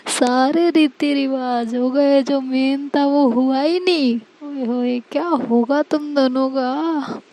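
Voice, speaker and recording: A woman's voice: high voice, slow pace, hardly any pauses, warm tone. A woman reading the part of a playful young woman who teases her newly married friend in a storybook love story. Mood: teasing. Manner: teasing, coaxing.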